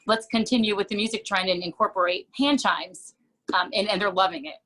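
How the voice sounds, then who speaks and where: A woman's voice: mid-range voice, steady tone, brisk, fairly bright tone, poor audio. A woman in her thirties from New Jersey, a music teacher chatting casually in an interview, with a tired, worn voice and lots of ums.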